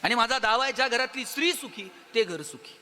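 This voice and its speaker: A man giving an animated motivational stage speech, telling humorous stories and speaking straight to the audience. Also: extremely high pitch, fairly quick. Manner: animated, addresses the audience directly. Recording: long hall reverb with faint music.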